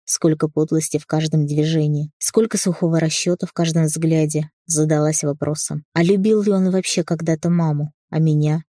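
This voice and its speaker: A woman reading a first-person novel aloud as an audiobook narrator, in an even storytelling manner. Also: low-pitched, normal speed, few pauses, no room sound, studio quality.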